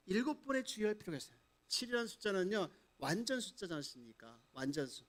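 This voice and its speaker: A male pastor preaching a sermon, asking the congregation questions and dramatizing the story. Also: high-pitched.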